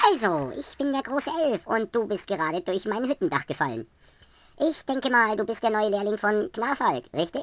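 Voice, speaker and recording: In a put-on character voice, a female-sounding speaker talks at a fairly high pitch and a moderate pace over a quiet background. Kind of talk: comic fantasy audio play. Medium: read story. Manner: testy, condescending, dry.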